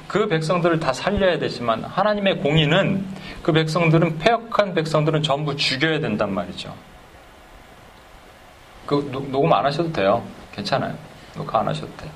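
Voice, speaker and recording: A man preaching a sermon, animated and chuckling as he tells stories and acts out dialogues. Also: medium pitch, slight background noise, low-quality recording. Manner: chuckles while telling stories. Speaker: pastor.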